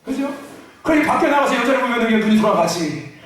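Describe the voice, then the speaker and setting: High-pitched, shouting man preaching in an echoey church. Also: expressive, quick pace, faint music behind. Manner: shouting, call-and-response, jokey asides. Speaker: pastor. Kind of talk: fiery sermon to a congregation. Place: large church sanctuary. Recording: echoey church hall from far off.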